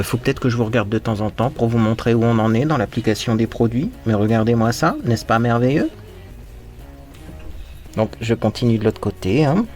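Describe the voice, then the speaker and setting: A man's voice: mid-range voice, a little mellow. A man hosting a casual makeup tutorial, chatting playfully to viewers while he applies his makeup and dropping in little sound words.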